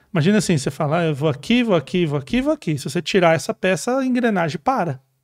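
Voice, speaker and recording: Lively intonation from a man with a high pitch, a fairly quick pace and a quiet background. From Brazil, Mauá, São Paulo state; São Paulo, Brazil. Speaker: neurocommunication educator. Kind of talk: casual interview chat. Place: studio. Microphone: studio mic.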